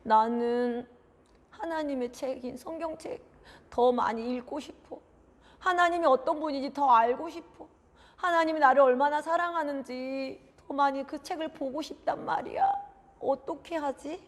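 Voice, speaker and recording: A woman voicing a timid young girl who pleads softly and earnestly with her father in a children's story. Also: extremely high pitch, steady tone, moderate pace, pitched above the performer's own voice. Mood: prayerful. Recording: long hall reverb.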